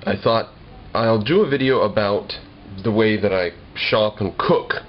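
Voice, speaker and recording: A young American man, a video blogger, talks casually to the camera in a homemade vlog, explaining things in a wry, slightly formal way. His voice is on the low side and unhurried, and the recording is dull, noisy lo-fi home video.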